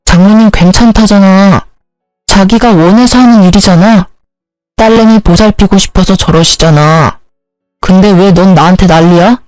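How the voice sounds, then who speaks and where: A woman's voice: medium pitch, normal speed, darkish tone, no room sound, faint music behind, lightly acted, poor audio. Storybook husband, petty and bossy, barking orders in a dry, close voice, as a woman reads him. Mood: demanding. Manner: curt, demanding, scolding. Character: rude entitled young husband, bossy and petty.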